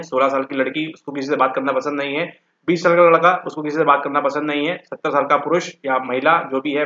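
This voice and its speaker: A man's voice: a little high, sharp tone. A man teaching as he walks students through exam questions, speaking to them directly and repeating words for emphasis. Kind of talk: exam question walkthrough lecture. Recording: echoey room, dull lo-fi sound.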